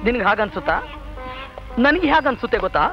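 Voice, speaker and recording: A man's voice: very high voice, very animated, quick pace. An actor playing a joking young man who teases his friends. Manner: joking, teasing, chuckling. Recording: dull old film soundtrack with music.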